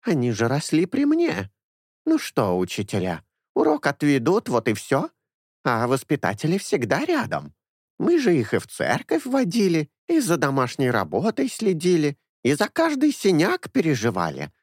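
A man's voice: a little high, wildly swooping pitch, normal speed, no room sound, clean studio sound, voice pushed up. A man voicing a talkative old woman in her sixties, a former caretaker who rambles fondly and confidingly.

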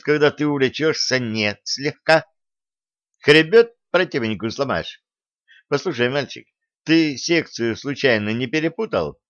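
A man voicing a hot-tempered older male fencing coach who scolds loudly in an audiobook reading. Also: medium pitch, dry recording, dull audio, pitched above the performer's own voice. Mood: scolding. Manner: scolding, loud, exasperated.

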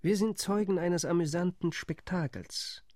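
A man's voice: sits high, unhurried, a little mellow, no room sound, clean studio sound. An actor playing a sardonic Arab spokesman who scorns the partition plans, in a radio play. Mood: scornful. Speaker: Arab-side delegate.

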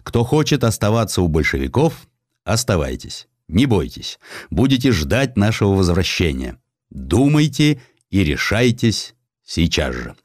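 A man's voice: low voice, sing-song, measured pace, no room sound, clean studio sound, heavily acted. A man voicing a hardened, proud Cossack warlord in an audiobook, with a weighty, declamatory manner. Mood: solemn, commanding.

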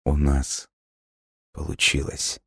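A man voicing a gentle, dying ghost boy who speaks softly and wearily in a hushed, breathy voice. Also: very deep voice, steady tone, moderate pace, no echo, clean studio sound. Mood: tender, hushed.

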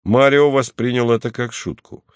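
A man narrating an audiobook in a measured, even way. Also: medium pitch, clear, resonant tone, no room sound, clean studio sound.

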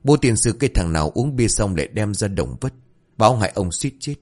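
A man's voice: lowish voice, sing-song, fairly quick. A man voicing a grumbling, flustered old village man who stammers out excuses.

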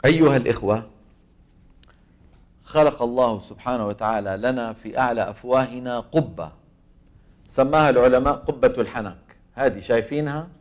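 A man's voice: medium pitch, fairly quick, long pauses, darkish tone. A man with a Levantine Arabic accent teaching a tajweed class. He asks his students questions, answers them himself, and says the sounds aloud to show them. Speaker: Quran recitation teacher.

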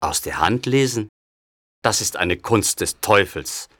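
Man doing a deep gruff village father. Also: animated, a little slow, fairly bright tone, no room sound, studio quality. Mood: angry. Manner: gruff, scolding. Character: stern angry village father, middle-aged man. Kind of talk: audiobook story voice.

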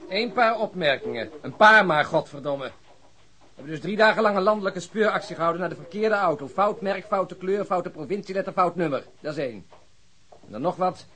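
A man's voice: sits high, expressive, fairly quick, a bit bright. An actor playing a blunt, short-tempered male police investigator in a radio drama. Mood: angry exasperation. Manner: questioning, emphatic, easily exasperated.

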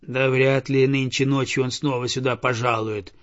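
A man doing a gruff old chained farm dog. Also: mid-range voice, little pitch movement, moderate pace, close to an everyday voice. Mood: grumbling. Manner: barking, gruff, threatening. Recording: dull lo-fi recording.

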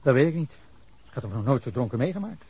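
The actor's voice is mid-range, husky, and darkish in tone, with a sing-song lilt and a quick pace. His character, in a Dutch radio drama, is a defensive middle-aged man angrily rambling to police about a drunken fight. He sounds indignant, erupting into anger now and then.

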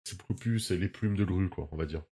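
Guy at a tabletop rpg, kinda deep voice, casual and a bit hesitant explaining his moves. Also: quick pace, mellow, breathy edge. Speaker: role-playing game player. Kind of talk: casual, hesitant game chat.

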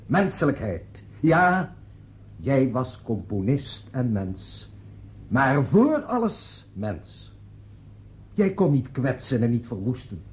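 An actor in a radio play voicing a sentimental friend giving a solemn funeral eulogy, declamatory and deliberate with dramatic pauses. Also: male voice, a little high. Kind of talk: Dutch radio drama acting. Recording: dull, muffled radio play recording.

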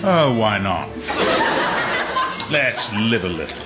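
A man's voice: on the low side, very animated, takes it slowly, over loud music. An actor playing a suave, world-weary man with a dry, sardonic manner in a radio comedy. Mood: droll, relaxed. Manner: dry, droll. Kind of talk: scripted radio comedy acting.

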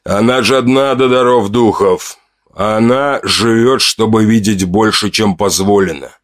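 Brief: stern old tribal chief, voiced by a man, low, grave and muffled, audiobook. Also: measured pace, natural voice.

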